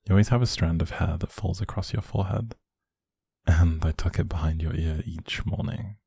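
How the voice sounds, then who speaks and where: A man performs a doting young boyfriend in an intimate audio roleplay, talking one-to-one with gentle teasing and affection. His voice is deep, dark and soft with a husky grain, recorded very dry. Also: normal speed, no echo, heavily acted. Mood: tender. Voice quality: low, soft, husky, creaky.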